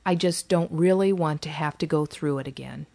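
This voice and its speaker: A woman's voice: low-pitched, moderate pace, creaky, mellow. A woman reading a weary, sarcastic mother. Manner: defensive, exasperated, apologetic.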